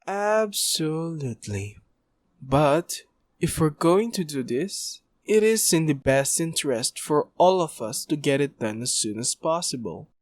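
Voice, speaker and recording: A man's voice: on the high side, lively intonation, unhurried, dry recording. A man playing a formal, pompous doctor in an audio roleplay, speaking in long-worded clinical phrases. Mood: assured, formal. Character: formal, pompous male doctor, smoothly evasive scientist. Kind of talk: ASMR audio roleplay acting.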